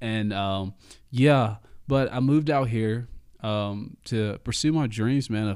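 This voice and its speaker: A man talks with an Alabama accent at a medium pitch. The recording is very clean, with a silent background. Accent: Southern US (Alabama). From US South, Alabama. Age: 20s. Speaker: podcast host. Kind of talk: casual solo podcast monologue. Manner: fast; animated.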